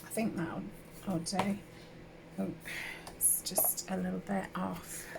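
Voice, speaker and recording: A woman with a sore throat from a summer cold and a slightly hoarse voice, chatting casually and rambling with many fillers as she works through a craft tutorial at home. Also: mid-range voice, little pitch movement, slow pace, background noise. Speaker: craft channel host.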